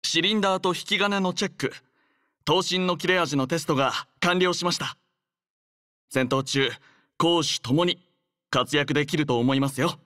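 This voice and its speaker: Anime game role: young male android soldier, played by a man, slightly higher register, polite, formal, earnest and composed; dry studio sound. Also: moderate pace, fairly bright tone, dry recording, close to an everyday voice. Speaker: game character voice. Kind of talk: scripted anime game voice lines.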